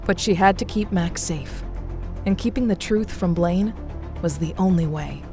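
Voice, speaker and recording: A woman narrating a scripted drama in a measured, suspenseful way. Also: fairly low pitch, darkish tone. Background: music.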